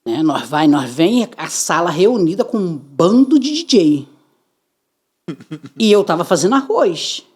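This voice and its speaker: A middle-aged woman from Brazil, a podcast guest telling her testimony with lively acted-out voices and frequent laughter. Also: lowish voice, unhurried. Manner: lively, acts out quoted voices, laughs often. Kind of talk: animated testimony storytelling.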